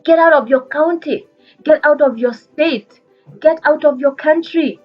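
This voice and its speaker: A woman's voice: high-pitched, measured pace, muffled recording, faint music behind. A Kenyan woman and life coach giving a motivational talk. She speaks earnestly, repeats phrases for emphasis and uses frequent fillers.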